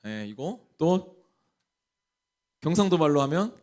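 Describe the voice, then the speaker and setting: A man's voice: a little high, sing-song, slow, darkish tone. A male pastor from Jeolla with a Jeolla accent, preaching a sermon to a young adults group and asking the congregation many questions. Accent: Jeolla Korean. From Jeolla region, Korea.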